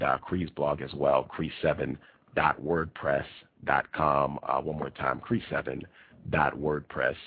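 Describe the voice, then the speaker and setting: A male talk radio host with a very low, husky, dry voice, nasal and congested from a cold, delivers an emphatic monologue, repeating key phrases to hammer his points home. The sound is tinny and thin like a phone line, with no echo.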